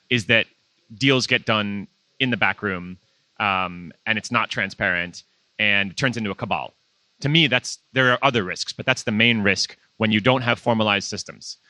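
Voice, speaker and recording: A man with a loud voice who talks frankly and emphatically in a live panel discussion, restarting his sentences often. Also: fairly low pitch, no echo. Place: conference venue.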